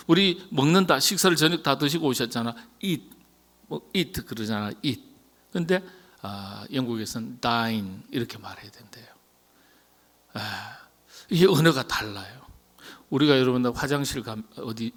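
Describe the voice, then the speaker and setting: A middle-aged Korean pastor preaching at a midweek prayer meeting, talking casually, putting questions to the congregation and sometimes dropping to a whisper. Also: male voice, mid-range voice, fairly bright tone. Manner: conversational, asks the congregation questions and answers himself; drops to a whisper at the ends of phrases. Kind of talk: sermon at a Wednesday prayer meeting.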